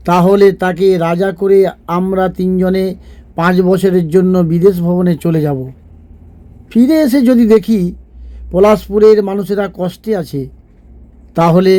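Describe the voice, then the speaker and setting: A man playing a thoughtful, fair-minded king in a cartoon storybook tale, explaining himself in a measured, reasoning way. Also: high-pitched, mellow. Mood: firm, confident.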